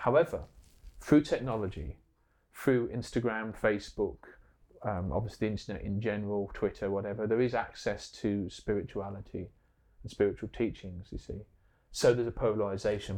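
Against a quiet background, a man with a southern English accent talks at a fairly quick pace in a medium pitch with a dark, mellow tone and ordinary pitch variation. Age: 40s. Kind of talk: interview conversation. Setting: temple.

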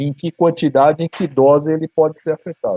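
This man's voice has a dark, mellow tone, recorded dry and close with no echo. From Brazil, São Paulo ABC region. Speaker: engineer at a pharmaceutical company. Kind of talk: interview in a live stream.

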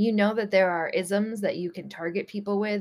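Very clean recording, silent background. A woman speaks in a plain, everyday voice at a moderate pace and medium pitch, with ordinary pitch variation. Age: 30s. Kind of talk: casual chat.

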